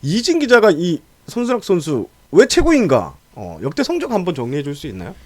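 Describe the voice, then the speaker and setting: Animated male talk show host, higher-pitched. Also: brisk, no echo. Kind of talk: lively casual talk show hosting.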